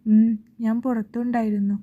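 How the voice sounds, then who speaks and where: A woman's voice: fairly high pitch, level tone, moderate pace, narrow, tinny audio, natural voice. A woman voicing a kind young friend. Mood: gentle.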